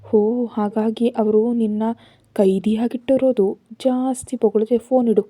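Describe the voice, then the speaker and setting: A protective older brother in a spoken story, scolding his little sister with affection, as a woman narrator puts him on. The voice is mellow and breathy, kept close and dry. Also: on the high side, steady tone, a little slow, no echo. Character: caring young man, protective older brother.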